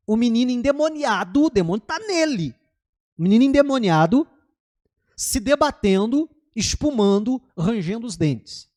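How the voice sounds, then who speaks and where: Animated Brazilian pastor, high and lively. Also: male voice. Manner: animated, acts out quoted voices, asks the congregation questions. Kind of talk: sermon. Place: church.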